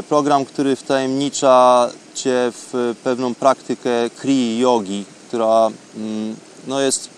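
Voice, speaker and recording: A man with a mid-range voice delivers an unscripted diary-style monologue as a programme host. He phrases things haltingly and reflectively. Faint ambient noise sits behind the voice. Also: mid-range voice.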